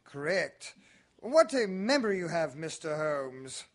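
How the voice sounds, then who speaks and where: Man acting a high-voiced, sly, mocking villain. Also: sing-song, a little slow. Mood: evasive, smug. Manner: arch, taunting, falsely genial. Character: sly, mocking male heir with murderous plans. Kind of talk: radio mystery drama acting.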